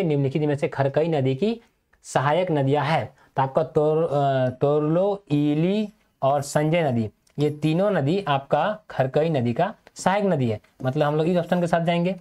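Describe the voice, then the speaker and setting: A man's voice: a little high, darkish tone. A male teacher giving an exam-prep lecture, asking and answering his own questions and repeating key points so students remember them.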